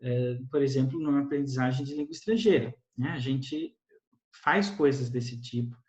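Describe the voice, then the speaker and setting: A man's voice: mid-range voice, moderate pace, darkish tone. A man giving a university lecture, explaining patiently with frequent tag questions and fillers. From Brazil. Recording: echoey lo-fi lecture recording.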